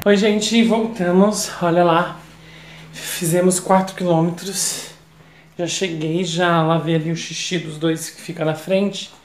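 A man's voice: sits high, fairly even intonation, measured pace. A man chatting casually to his viewers while filming a walk on a city street with a handheld phone. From Brazil. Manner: chatty, keeps addressing viewers as "gente". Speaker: vlogger. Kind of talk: casual walking vlog. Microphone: handheld phone camera while walking. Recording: noisy outdoor phone recording. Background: street traffic and outdoor ambience.

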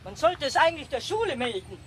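A woman's voice: high-pitched, very animated, fast. A woman playing an indignant, grumpy older lady, scolding huffily in a children's audio drama. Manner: scolding, huffy. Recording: faint noise on old cassette.

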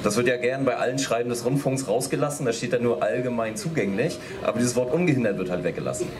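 A man's voice: mid-range voice, expressive, quick pace, a crowd in the background. Hesitant man questioning at a rally. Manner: hesitant, many fillers, legalistic. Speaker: audience member asking questions. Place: outdoors at a street rally. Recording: outdoor rally with background noise.

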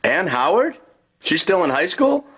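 A man voicing a sarcastic young adult son in a cartoon, flat and deadpan. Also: sits high, a little slow, breathy edge, dry recording, exaggerated voice. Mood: dry. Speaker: grown son.

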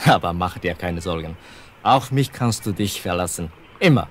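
An actor playing a loyal, shrewd sailor who talks in a gruff, plain-spoken, wry way in a radio play. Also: male voice, low-pitched, animated, normal speed, slight background noise.

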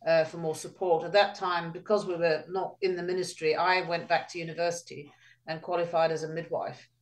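A woman in her sixties from England speaks as an interview guest. She answers in a thoughtful, measured way, with frequent fillers. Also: lowish voice, level tone. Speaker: guest, midwife. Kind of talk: casual interview.

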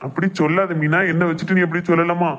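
Guy doing a soft-talking young cartoon husband, kinda high voice, quick. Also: flat delivery, lo-fi sound, close to an everyday voice. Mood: gentle. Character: young husband, mild and placating.

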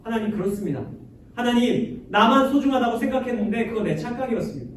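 A stubborn, petulant prophet who yells his grievances , as a preacher puts him on. The voice sits very high for a man. It echoes heavily through a hall, heard from a distance. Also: lively intonation, fast. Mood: contrite. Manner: petulant shouting complaints. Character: sulking angry male prophet, stubborn.

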